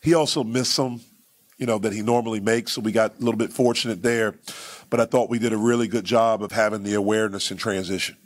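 A man in his forties with a fairly low voice, fielding questions as head coach at a postgame press conference. He answers in a measured, repetitive way, leaning on "you know" and "man," speaking into microphones set on the table. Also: fairly even intonation. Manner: measured, repeats phrases, many fillers like "you know" and "man". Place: press conference room with sponsor backdrop.

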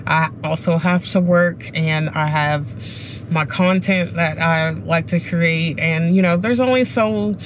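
A woman's voice: lowish voice, takes it slowly. A middle-aged woman vlogging casually to a dashboard camera in a car, talking in a candid, rambling, self-reflective way. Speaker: running vlogger. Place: sitting inside a parked car. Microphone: camera mounted on the dashboard. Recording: clear car and background noise.

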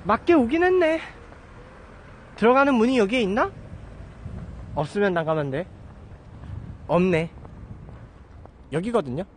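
Walking outdoors on a residential street, a live streamer in his thirties talks casually into a phone at arm's length, rambling and teasing himself. His high voice is expressive, his pace measured, and he pauses often; a little hiss or hum is audible.

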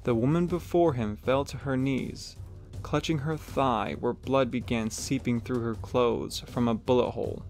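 A man narrates a scripted story in a gravelly, creaky voice of middling pitch. Faint music plays behind him. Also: a little slow, a little mellow.

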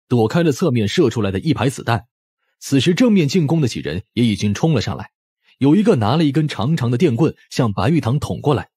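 A man's voice: mid-range voice, a little mellow, breathy edge, dry recording, clean studio sound. A man reading scripted audiobook narration in a dramatic storytelling style.

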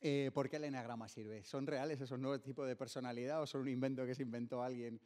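A man's voice: medium pitch, fairly even intonation, quick pace, a little mellow. A middle-aged man with a Spanish accent from Spain hosts the interview, asking questions and steering with short prompts. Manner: conversational, leads with short prompts. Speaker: host. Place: event stage. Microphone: studio mic on stand.

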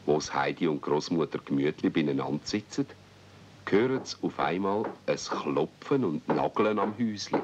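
A man's voice: extremely low pitch, animated, moderate pace, slight background noise. A man with a Swiss German accent narrating a scripted radio play as a storyteller in dialect. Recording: dull 1970s radio-play recording.

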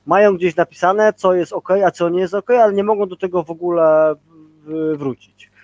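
A man's voice: high-pitched, fairly even intonation, brisk, a little mellow, no room sound. A man in his forties talking casually on a video call as a guest leadership trainer, rambling with many fillers and tag questions.

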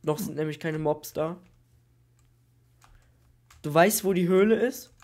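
Excitable gamer man with a cold. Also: a little high, a little slow. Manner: excitable, exclaims and repeats himself. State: has a cold. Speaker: gaming YouTuber. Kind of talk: excited Minecraft let's-play chat.

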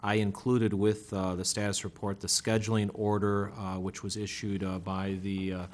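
Deep flat-voiced city attorney. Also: male voice, normal speed. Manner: formal, heavy with uhs. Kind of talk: council meeting report. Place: city council chamber.

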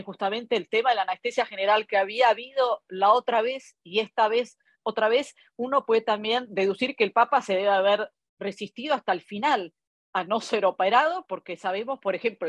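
A woman in her fifties with an Argentine accent, Italian by birth, speaks over a laptop webcam from a book-lined home study. She talks in a thoughtful, unhurried way, stopping often on "eh" fillers. The sound is dry, with no room echo. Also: mid-range voice. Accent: Argentine Spanish. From born in Italy, raised in Argentina. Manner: thoughtful, many hesitations and "eh" fillers. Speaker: foreign correspondent guest. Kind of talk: relaxed conversational interview. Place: home study with bookshelves, indoors. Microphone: laptop webcam on a video call.

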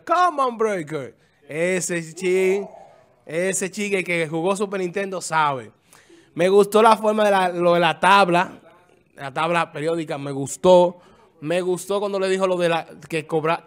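A man giving casual, animated commentary, explaining things at length and often repeating phrases. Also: high voice. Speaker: music commentator.

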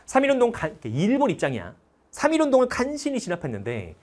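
A male history teacher giving a lively lecture that retells a film, a dramatic storyteller who quizzes his listeners with questions. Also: high voice.

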